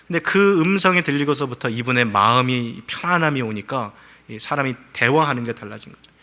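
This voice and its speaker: Bright-voiced fervent male pastor. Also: medium pitch, expressive, fairly quick. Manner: storytelling with acted-out quotes, rising to fervent pleas. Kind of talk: sermon.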